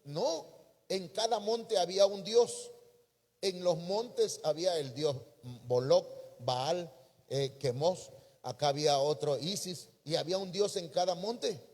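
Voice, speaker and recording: A man with a Mexican accent preaching a sermon as a pastor, breaking into sudden loud emphatic rises. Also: high voice, slow pace. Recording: reverberant church hall.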